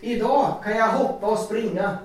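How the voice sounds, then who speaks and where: A man with a high-pitched voice preaches informally to a gathering, mixing Bible verses with personal stories told in a chatty, animated way. He stands at a distance from the microphone in a strongly echoing room, with a faint hiss of noise underneath. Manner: chatty, laughing, animated storytelling. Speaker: lay preacher. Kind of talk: informal sermon with personal testimony. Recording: echoey hall, distant mic, faint noise.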